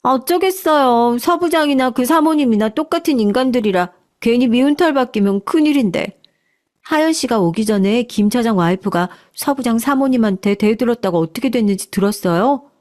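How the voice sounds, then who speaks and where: A woman voicing a weary, resigned office worker's wife who confides in a hushed way. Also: on the high side, lively intonation, fairly quick, lightly acted. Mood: confiding.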